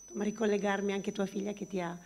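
A middle-aged woman speaking haltingly and conversationally in a panel discussion, into a handheld microphone on an auditorium stage. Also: mid-range voice, flat delivery, a little mellow. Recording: noisy hall with hum.

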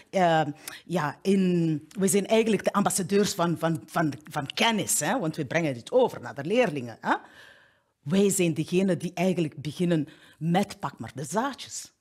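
A woman's voice: on the low side, a little mellow, breathy edge. A middle-aged woman giving a keynote talk to teachers, gesturing a lot and often restarting or repeating words as she searches for them. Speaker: keynote speaker. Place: studio in front of a plain backdrop.

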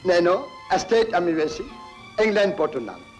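A generous estate owner. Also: male voice, high voice, big pitch swings, a little fast, faint music behind, low-quality recording. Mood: warm. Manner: mixes English phrases into speech, formal. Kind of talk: 1960s film drama dialogue.

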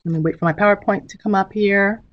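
A woman's voice: mid-range voice, fairly even intonation, fast, highs cut off. A middle-aged woman giving an informal instructional presentation as a teacher, speaking over a video call. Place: indoor room, on a webcam video call.

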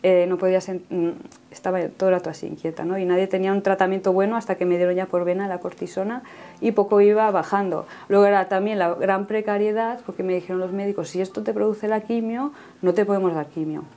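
A woman's voice: medium pitch, fairly even intonation, quick pace, warm tone. A woman in her thirties telling her personal faith story in earnest conversation. She often ends phrases with a questioning "no?". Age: 30s. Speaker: guest giving a faith testimony.

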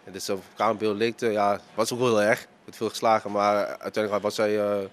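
A man's voice: fairly low pitch, little pitch movement, brisk. A man in his thirties, a restaurant owner, answering a news interview in his dining room into a handheld mic, hesitant with many fillers. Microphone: handheld reporter mic.

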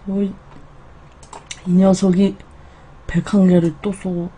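Unhurried young woman chatting on a livestream. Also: medium pitch, flat delivery, mellow, a little hiss or hum. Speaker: mukbang livestream host. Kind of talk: casual livestream chat while eating. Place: small indoor room at home.

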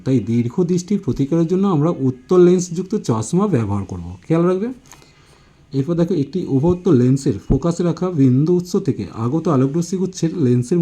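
A male tutor from West Bengal working through exam answers, repeating key words slowly and giving memory tricks. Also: a little high, mellow, husky.

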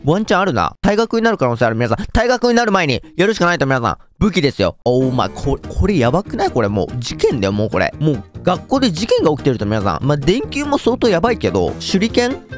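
Young male gaming host, slightly high, very lively voice, excitable and jokey, faint music underneath. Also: fast, few pauses. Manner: excitable, jokey, talks to viewers. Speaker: gaming YouTuber. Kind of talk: game commentary.

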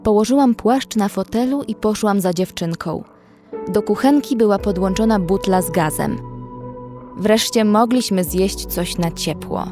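A young woman survivor voiced by an actress tells her story in a mid-pitched voice. She is measured, tender and a little anxious, over a music bed, as in a horror audio drama. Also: lightly acted. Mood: calm, reflective. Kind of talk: first-person horror audio drama narration.

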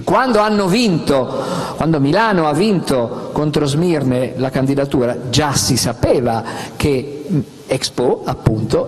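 A middle-aged man presenting his book on a festival stage into a handheld microphone, animated and gesturing, with frequent fillers. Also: medium pitch, long reverb tail. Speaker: author at a book talk. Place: outdoor festival stage with audience.

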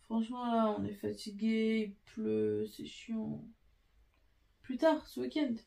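A young woman with a fairly high, gravelly voice talks at home in a casual family chat. She teases and speaks bluntly, like a big sister. The setting is an ordinary bedroom. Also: fairly even intonation, slow pace, dark tone. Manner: teasing, blunt. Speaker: vlogger, older sister.

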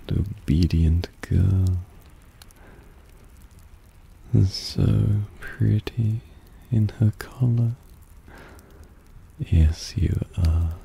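A man playing a possessive, softly dominant vampire in an intimate ASMR roleplay, breathy and often half-whispered, teasing and coaxing. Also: low-pitched, a little hiss or hum, full character voice. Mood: tender, possessive. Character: possessive, softly dominant male vampire doting on his pet.

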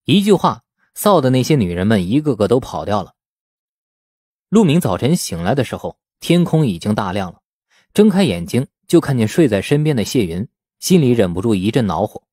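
A man narrates a novel in a dramatic, storytelling style. His medium-pitched voice moves up and down freely. The recording is close, with no room sound. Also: moderate pace, no room sound. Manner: expressive storytelling. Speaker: audiobook narrator.

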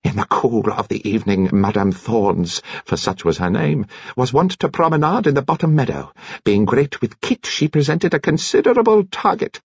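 A man voicing a pompous, eccentric gentleman in a storybook reading, with florid, long-winded and aggrieved phrasing. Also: medium pitch, animated, moderate pace, creaky, slightly rough, no echo, dull audio, voice pushed up. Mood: pompous indignation. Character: pompous, eccentric widowed cat-owner, ornate and aggrieved gentleman.

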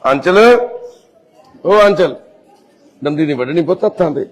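A man, a charity volunteer, who gently questions families and reassures them. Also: on the high side, normal speed. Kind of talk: casual conversation.

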